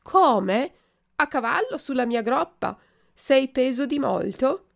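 A wooden puppet boy cries and begs in a shrill, childlike voice, as a woman reader puts him on. He sounds impulsive and quick to tears. There is a gravelly edge under the raised pitch. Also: sing-song, full character voice. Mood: eager. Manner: wailing, pleading, high childlike voice. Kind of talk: storybook reading.

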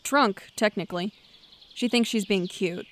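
A woman's voice: medium pitch, unhurried, background noise, close to an everyday voice. A woman playing a sardonic, defiant doctor in an audio drama, talking in a wry, profane, emphatic way. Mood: wry, casual.

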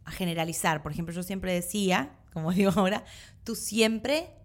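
A woman's voice: on the low side, steady tone, fast. Chatty woman co-hosting a couples talk. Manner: chatty, giggly, storytelling. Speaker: co-host of a couples show. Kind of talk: casual chat.

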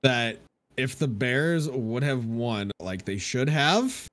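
A man with a mid-range voice joins casual football talk. He speaks quickly at times, and his tone is wry and self-deprecating. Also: medium pitch, expressive, fairly bright tone. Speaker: podcast co-host.

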